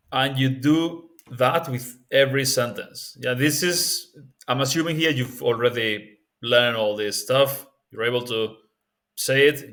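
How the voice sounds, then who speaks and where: A man with a Spanish accent, hosting a language-learning tutorial in a relaxed, think-aloud way, often tagging sentences with "yeah?" or "right?". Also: mid-range voice. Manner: relaxed and thinking aloud, with frequent fillers and tag questions. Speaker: language-learning video host. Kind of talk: casual spoken tutorial.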